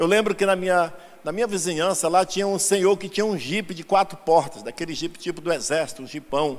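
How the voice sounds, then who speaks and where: Pitched high, a man speaks at a fairly quick pace. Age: 60s. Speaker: pastor. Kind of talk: sermon. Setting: church.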